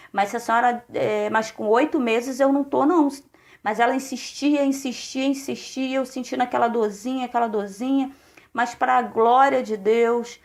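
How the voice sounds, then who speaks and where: A woman pastor, giving a testimony sermon as animated storytelling. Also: a little high, creaky. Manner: animated storytelling with acted quotes.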